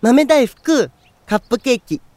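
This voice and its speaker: A man's voice: very high-pitched, animated, a little slow, a little mellow, dry recording. A man playing a cheerful, guileless boyish young man in a voice drama, polite and chatty. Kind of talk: Japanese voice drama acting.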